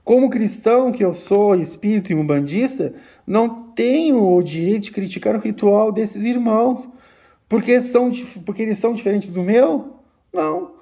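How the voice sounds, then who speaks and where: A man, an umbanda teacher giving a slow, repetitive religious talk to his viewers. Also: sits high, warm tone. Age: 50s. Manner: slow, repetitive, addressing listeners as "gente". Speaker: umbanda spiritual teacher and channel host.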